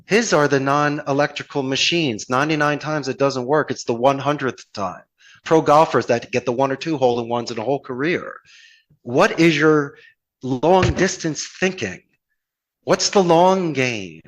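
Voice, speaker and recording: A man with a Philadelphia accent speaks conversationally, as a guest in a podcast interview. His pitch sits in an ordinary male range. He talks earnestly and ornately, building motivational points and often putting rhetorical questions to the listener. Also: normal speed. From Philadelphia, United States. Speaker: podcast guest, call center owner.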